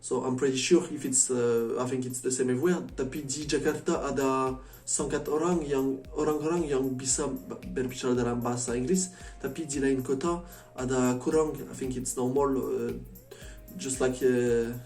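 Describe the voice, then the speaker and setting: A mellow-voiced man with a French accent talks casually to his viewers as a foreigner learning Indonesian. He speaks it haltingly and keeps switching into English. The recording is roomy and distant from the mic. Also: medium pitch, steady tone. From France. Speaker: vlogger. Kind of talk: casual chat to camera. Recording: echoey room, distant mic, faint music.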